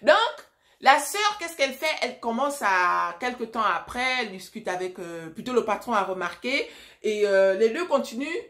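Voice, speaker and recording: Emphatic woman vlogger, slightly high voice. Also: expressive, normal speed, fairly bright tone. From Africa. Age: adult, married mother. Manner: emphatic and direct, asks viewers rhetorical questions. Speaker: vlogger and storyteller. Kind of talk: casual vlog monologue.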